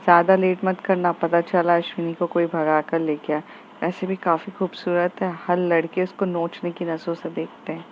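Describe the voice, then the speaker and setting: A woman's voice: lowish voice, level tone, normal speed, dull audio, a little hiss or hum, close to an everyday voice. A woman playing a teasing, nosy young friend. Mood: warning.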